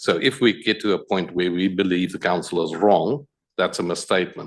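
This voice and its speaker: A man with a non-native accent speaks at a fairly low pitch. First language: not English. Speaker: auditor. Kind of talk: committee meeting discussion.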